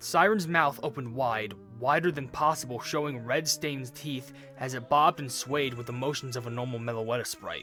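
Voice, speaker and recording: A man at medium pitch and moderate pace, with ordinary pitch variation and music in the background. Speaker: horror story narrator. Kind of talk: creepypasta horror narration.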